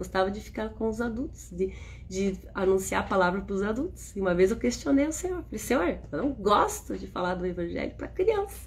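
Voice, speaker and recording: Calm in tone, a woman talks with hardly any pauses, and audible room echo surrounds her voice. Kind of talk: devotional teaching live. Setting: livestream. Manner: slow.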